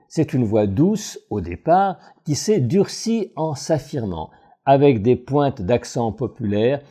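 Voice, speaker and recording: A man narrates a scripted analysis as a voice coach. He is measured and analytical, with a very dark timbre and a pitch that rises and falls expressively. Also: sing-song.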